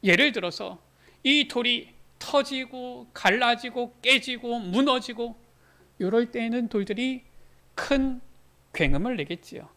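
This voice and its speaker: A male pastor preaching a sermon in a church, asking rhetorical questions and rising into loud, emphatic lines. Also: extremely high pitch, a little slow. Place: church sanctuary.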